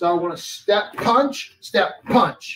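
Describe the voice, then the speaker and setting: A man with an animated, energetic tone. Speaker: martial arts instructor. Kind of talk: live online class, explaining and demonstrating technique. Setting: live-streamed video class. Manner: animated, energetic, coaching. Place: gym. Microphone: camera far.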